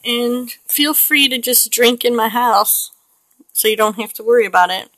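A woman in her late forties, a digital artist, chats casually and rambles while painting digitally, laughing often. Her voice is fairly high and a bit bright, at normal speed, with no echo.

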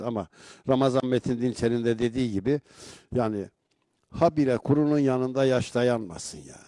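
A mellow, mid-range male voice belongs to a local broadcast host reading out viewer comments on a casual live show. He talks conversationally but becomes rhetorical and emphatic when adding his own remarks. The recording is dry.

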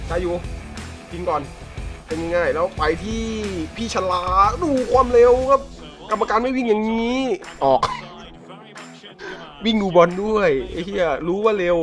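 A young man commenting on a football video game as he plays, with loud outbursts, laughter and swearing. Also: high voice. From Thailand. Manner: swings from calm play-by-play to loud shouting and laughing, swears often. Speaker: gaming YouTuber. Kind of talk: excited live game commentary. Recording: game music playing behind the voice. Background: clear game music.

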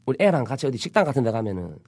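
A man from Busan co-hosting a casual talk show, telling stories with animated, acted-out quotes. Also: mid-range voice, rapid-fire, breathy edge, dry recording, studio quality. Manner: animated storytelling, acting out loud quotes. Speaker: podcast co-host. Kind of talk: casual chat.

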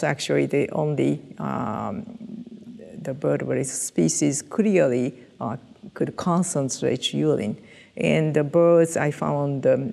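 A woman's voice: sits low, creaky, warm tone, in a large hall. An older woman with a Japanese accent, speaking English as a second language in an oral history interview, hesitant with many fillers and restarts, recorded on a headset mic in a studio. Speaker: interviewee, physiologist. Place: dark studio set, indoors.

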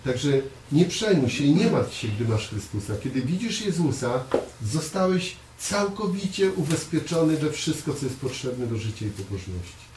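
A man preaching a conversational sermon to a small congregation, earnest, often repeating words and pausing on fillers. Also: fairly high pitch, big pitch swings. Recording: echoey room, voice from far off, faint hiss.

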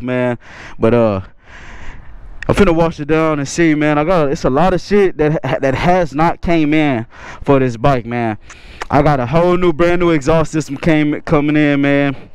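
A man's voice: medium pitch, smooth, no echo, low-quality recording. A man talking casually to his viewers in a slangy, laid-back way, recorded while riding a motorcycle. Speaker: motovlogger. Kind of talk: casual motovlog talk to viewers. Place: riding a motorcycle outdoors on city streets. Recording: faint road and traffic noise.

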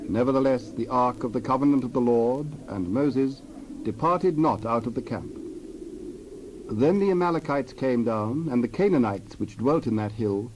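A man's voice: medium pitch, normal speed, darkish tone. A man narrating a dramatized Bible reading in a solemn, formal, scripted manner. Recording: dull sound, faint noise, birdsong behind.

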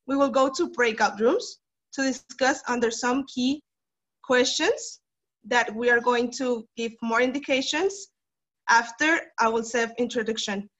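A woman's voice: fairly high pitch, a bit bright. Young Mexican woman moderating a video call. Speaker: workshop moderator. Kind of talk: online workshop introduction. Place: small room indoors. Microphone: laptop video call. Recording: muffled video call audio.

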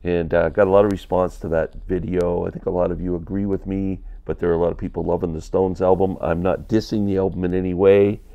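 Low, mellow-toned man in his fifties, congested with a cold, candid basement vlogger on an earbud mic. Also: creaky, highs cut off. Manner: chatty, candid, gestures a lot with hands. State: stuffy from a cold. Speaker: vinyl collector vlogger. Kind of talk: casual rambling vlog. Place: basement room, indoors, small.

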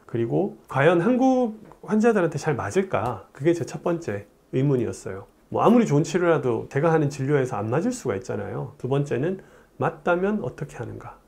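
A man's voice: mid-range voice, gravelly, slightly rough. A man in his forties, a urologist, talking to camera in a chatty storytelling way in a plain studio on a lapel mic. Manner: animated, gesturing hands, chatty storytelling. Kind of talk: explanatory talk to camera.

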